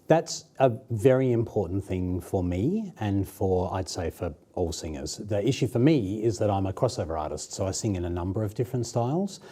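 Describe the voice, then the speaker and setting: A man's voice: fairly low pitch, expressive, moderate pace, hardly any pauses, dark tone. A man with an Australian accent, a singer being interviewed, friendly and thoughtful with many ums. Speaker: opera singer guest. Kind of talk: casual interview chat.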